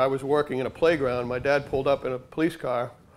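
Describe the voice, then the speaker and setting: In an American accent, a man talks at a very fast pace. His fairly high pitch stays monotone and flat. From Massachusetts. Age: 60s. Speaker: retired FBI undercover agent and author. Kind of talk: public talk. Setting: library talk with audience. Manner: conversational, frequent 'okay?' fillers.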